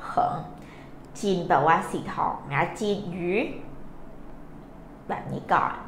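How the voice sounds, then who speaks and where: Patient woman teacher, live lesson, quizzes viewers; echoey room. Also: slow. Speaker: Chinese language teacher. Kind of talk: live-streamed vocabulary lesson. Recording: echoey room, faint noise.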